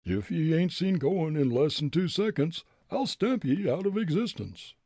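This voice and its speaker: A man voicing a loud, boastful backwoods ruffian who talks in a blustering drawl. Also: a little high, lively intonation, moderate pace, dry recording, studio quality, pitched above the performer's own voice.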